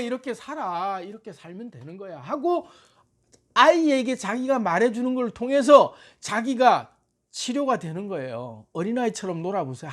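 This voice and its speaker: A man giving a motivational talk in a playful, animated way. He laughs often and keeps urging his listeners on. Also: sits high. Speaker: motivational speaker.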